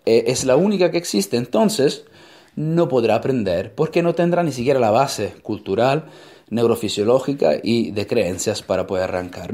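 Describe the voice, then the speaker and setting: A man's voice: mid-range voice, a little mellow. A man with an Italian accent, a native Italian speaker, giving an emphatic motivational talk full of rhetorical questions.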